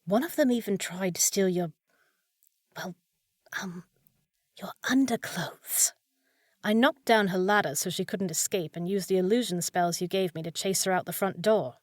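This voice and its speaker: A woman's voice: mid-range voice, normal speed, no room sound, natural voice. Woman acting a fussy, caring young housekeeper, close-up. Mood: flustered. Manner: scolding yet caring, flustered, proper. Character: short, fussy young village housekeeper devoted to a wizard. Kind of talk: scripted fantasy audio roleplay, spoken to listener.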